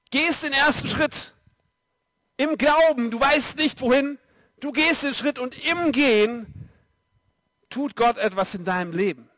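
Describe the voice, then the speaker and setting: High-voiced, unhurried man preaching. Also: no echo. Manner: lively, direct address to the audience. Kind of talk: sermon.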